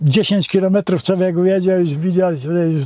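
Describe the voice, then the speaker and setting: A man's high-pitched voice at a moderate pace. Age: 70s. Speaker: retired truck driver. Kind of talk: interview. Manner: halting, with many fillers.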